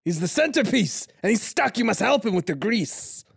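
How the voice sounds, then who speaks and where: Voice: mid-range voice, very animated, moderate pace, creaky, slightly rough, heavily acted. A player putting on a fake French accent for a scheming character in a tabletop game. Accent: put-on French.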